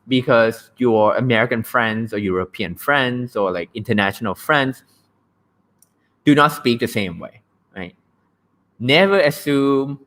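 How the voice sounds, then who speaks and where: A man's voice: mid-range voice, fairly bright tone. Blunt Thai man chatting on a livestream. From Thailand. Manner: blunt, joking, keeps asking "right?". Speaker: livestream host. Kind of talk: casual livestream talk on language learning.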